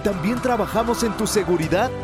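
Male ad read, high-pitched and energetic, over loud music bed. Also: fairly quick. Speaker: political ad voice. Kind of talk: upbeat scripted ad read.

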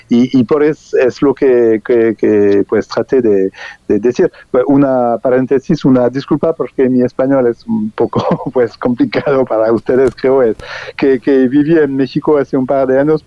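A man answers in halting, speech, pausing often and restarting his words. The recording is dry and dull, with little room and a lo-fi tone. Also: medium pitch, no echo. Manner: hesitant, many restarts and fillers. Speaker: guest researcher. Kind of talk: unscripted interview answers.

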